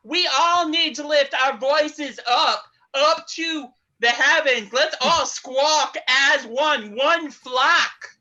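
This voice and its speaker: A woman's voice: high-pitched, slow, few pauses, sharp tone, lo-fi sound, heavily acted. A woman voicing a grand, exalted penguin preacher in improvised comedy, declaiming theatrically. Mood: exalted, preaching.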